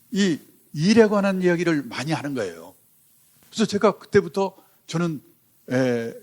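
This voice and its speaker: A man in his seventies giving a public finance lecture, telling stories in a conversational way with frequent asides. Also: a little high. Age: 70s. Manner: anecdotal, conversational storytelling with asides. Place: lecture hall before a live audience.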